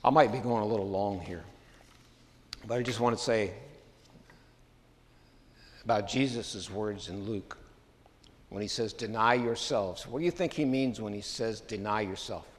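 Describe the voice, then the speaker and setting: A man's voice: fairly low pitch, normal speed, long pauses. Man preaching in a reverberant church. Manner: conversational storytelling, chuckles often. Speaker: pastor. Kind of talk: sermon. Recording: long hall reverb.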